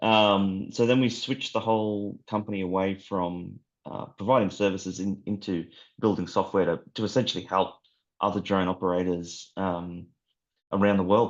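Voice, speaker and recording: With an Australian accent, a man speaks at a moderate pace and fairly low pitch with fairly even intonation, over a quiet background. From Northern Australia. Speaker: drone software company founder. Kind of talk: interview. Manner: halting, many fillers.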